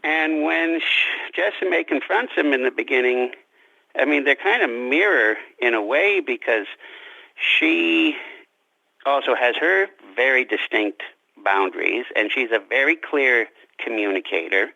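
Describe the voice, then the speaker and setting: Author guy chatting in an interview, gravelly kinda low voice, halting n thoughtful, dry slightly lofi radio sound. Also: lively intonation, pushed and bright, no room sound, dull audio. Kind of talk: casual interview chat about his own story.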